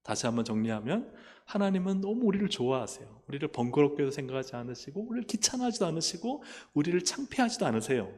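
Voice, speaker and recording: A man pastor preaching a lively sermon, calling for amens and asking the congregation questions. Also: on the high side, fast talker, hardly any pauses. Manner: acts out quoted voices and asks the listeners questions. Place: church sanctuary. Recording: long church hall reverb.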